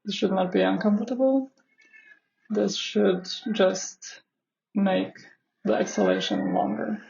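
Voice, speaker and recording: A woman leading a guided meditation in a measured, instructional way, with long pauses between phrases. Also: mid-range voice, huge pitch swings, gravelly, mellow, lo-fi sound. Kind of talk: guided meditation, live session.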